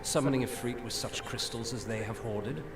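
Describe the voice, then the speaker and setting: An actor playing a wry, easygoing adventurer in a video game cutscene, with a dry, wordy way of talking. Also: male voice, medium pitch, moderate pace, lightly acted. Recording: roomy, distant, noisy game audio from stream.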